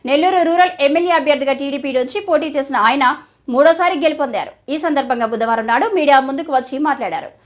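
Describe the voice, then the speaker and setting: A woman news presenter delivers a scripted report in a high voice. She moves quickly from line to line at a brisk pace.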